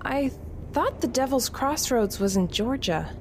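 A woman's voice: sits high, animated, measured pace, darkish tone, slight background noise. A woman playing a shy, awkward doctor in an audio drama, stammering and unsure of herself as she talks. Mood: nervous, hesitant. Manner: hesitant, self-deprecating, stammering.

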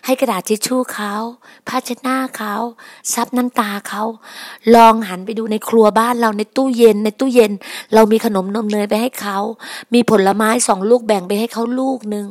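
Emphatic woman preaching, high voice. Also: steady tone, moderate pace. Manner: emphatic, repetitive, calls listeners brothers and sisters. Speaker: preacher and podcast host. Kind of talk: sermon.

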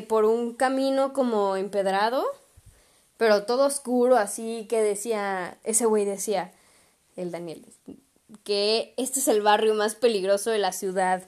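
A woman's voice: fairly high pitch, a little mellow. A young woman in her twenties with a Mexican accent, hosting a podcast and telling a story casually, chatty and slangy, with frequent swearing. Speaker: podcast host.

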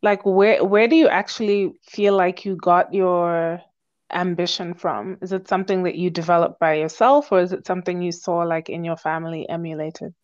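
A woman's voice: fairly low pitch, fairly even intonation, moderate pace. Chatty woman interviewer, slightly dull sound. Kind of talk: casual interview questions.

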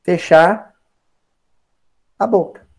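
A man teaching a Bible study in a conversational, animated way, talking directly to his listeners and acting out quotes. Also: high voice, extremely slow. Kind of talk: conversational lecture.

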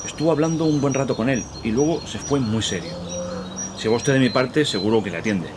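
A man playing a kindly, talkative park worker who speaks courteously and pauses to search for words. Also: medium pitch, background noise, close to an everyday voice. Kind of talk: radio drama acting. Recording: outdoor park ambience with birds. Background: birds and outdoor ambience.

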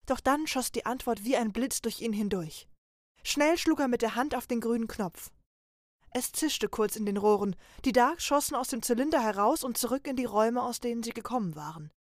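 A woman narrating a children's holiday story in a soft, even storytelling voice. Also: a little high, dry recording, studio quality. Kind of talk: storybook reading.

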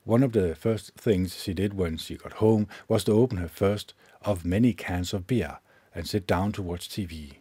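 A man with a very low, mellow voice reads from a book on his own podcast, steady and measured, now and then stumbling over a word and fixing it. His tone is slightly husky. The sound is close and dry, with no room around it. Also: no echo. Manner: measured reading with occasional slips and self-corrections. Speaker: podcast host. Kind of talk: reading a self-help book aloud. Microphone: own microphone with gain up and low cut filter.

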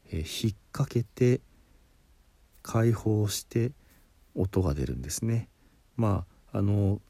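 Low slow guy patiently walking thru pronunciation, dark mellow voice, dry close sound. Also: gravelly, no room sound. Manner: patient, explains step by step, demonstrates sounds. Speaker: pronunciation teacher. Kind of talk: spoken lesson.

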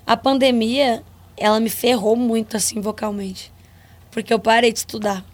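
A hoarse woman with a Brazilian Portuguese accent, a singer chatting frankly and jokingly in an interview. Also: on the high side, steady tone, moderate pace. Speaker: singer guest. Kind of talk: casual interview chat.

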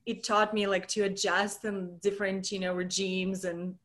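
A woman's voice: medium pitch, level tone, normal speed, fairly bright tone. A woman in her thirties from Russia, a podcast guest chatting casually over a video call from home, with lots of fillers and frequent laughs. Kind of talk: casual interview chat.

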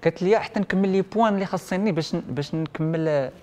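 A man's voice: high voice, racing, a little mellow. A young man with a Moroccan Arabic accent telling his story casually, mixing in French words and quoting dialogue as he goes. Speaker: interview guest; printing and IT technician. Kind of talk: casual personal storytelling in conversation.

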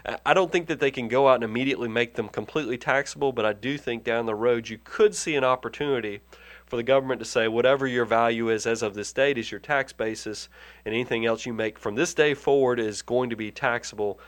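A man's voice: medium pitch, fast, a bit bright. Man with a head cold giving money advice. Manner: earnest, explanatory, frequent restarts and repeated words. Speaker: financial advisor hosting a money show. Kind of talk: conversational radio-style advice.

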